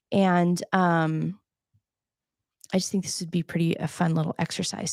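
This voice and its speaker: Casting: soft-spoken woman coach, slight fry, close dry mic, casual livestream tutor. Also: on the low side, no room sound. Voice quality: soft-voiced. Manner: chatty, demonstrating gear on camera. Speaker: podcast coach hosting a live Q&A. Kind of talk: casual live-stream tutorial.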